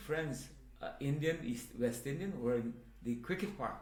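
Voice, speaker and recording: A man speaks at a moderate pace with lively intonation. His voice is somewhat breathy, and the room echo is audible. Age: 60s. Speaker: school trustee. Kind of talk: interview. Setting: studio.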